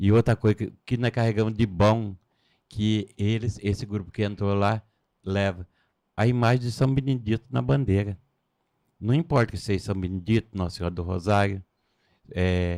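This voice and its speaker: A man with a fairly low pitch and a dark, mellow tone speaks at a moderate pace with ordinary pitch variation and long, frequent pauses, the very clean recording dry and close with no echo and a silent background. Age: 60s. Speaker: leader of a traditional cultural group. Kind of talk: panel discussion. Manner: indignant, emphatic.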